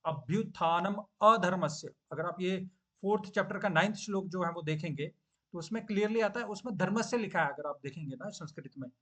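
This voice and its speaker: A man teaching scripture in a class, explaining patiently, with frequent drawn-out hesitation sounds and English phrases mixed in. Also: sits high, fairly bright tone. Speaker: Gita teacher. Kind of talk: online class lesson.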